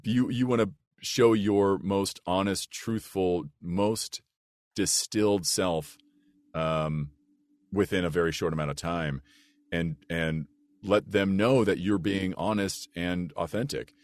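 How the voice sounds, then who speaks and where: A man with a big, low, rich voice who talks earnestly and thoughtfully as a voice actor guest in a casual podcast chat. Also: slow, dry recording. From United States. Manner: earnest and reflective, with restarts and "like".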